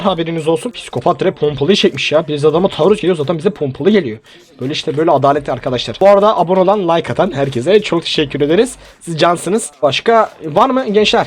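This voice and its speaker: A young man playing a mobile shooter, giving joking, excitable commentary to viewers and teammates. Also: fairly high pitch. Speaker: gaming YouTuber. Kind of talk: live mobile game commentary. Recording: game sounds and music behind.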